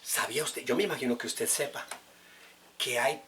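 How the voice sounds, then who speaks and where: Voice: medium pitch, normal speed, fairly bright tone, slight background noise. Emphatic preacher. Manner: emphatic, repeats key words, addresses the congregation directly. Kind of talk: sermon.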